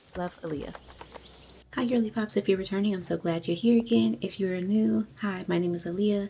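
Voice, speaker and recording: A woman speaks quietly at a fairly low pitch with ordinary pitch variation. Her tone is dark, mellow and somewhat breathy. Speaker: vlogger and small business owner. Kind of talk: casual vlog talk. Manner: quiet, low voice.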